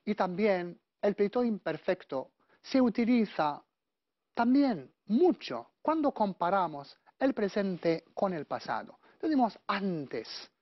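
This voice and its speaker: A woman teaching a Spanish grammar lesson, going slowly through verb conjugations and checking in with her students. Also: mid-range voice, very animated, no echo, muffled recording. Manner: slow, deliberate conjugation drills, checking with "¿vale?".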